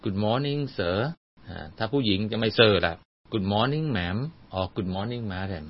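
A man's voice: fairly low pitch, expressive, extremely slow. An older man teaching simple phrases, patient and explaining step by step with examples, on a dull lo-fi recording. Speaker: English teacher guest. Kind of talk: explanatory lesson talk.

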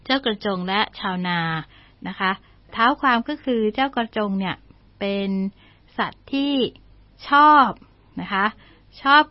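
A woman telling a folk tale in a bilingual lesson, reading lines slowly and explaining each one, with frequent polite particles. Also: medium pitch, dry recording, muffled recording. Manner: slow, deliberate, translating each English line into Thai. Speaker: English teacher telling bilingual stories.

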